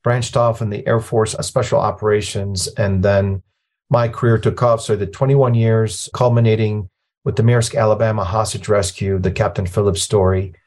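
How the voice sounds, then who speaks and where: A low-voiced man in his fifties, originally from Lebanon, speaking as a guest on a podcast. He tells his story in a plainspoken, matter-of-fact way, with the steady directness of a retired officer. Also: normal speed. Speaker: nonprofit president, guest. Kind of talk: conversational storytelling interview.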